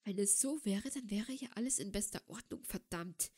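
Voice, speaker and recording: A woman's voice: mid-range voice, moderate pace, dark tone, husky, close to an everyday voice. Woman reading prickly young man, curt, grumbling, audiobook.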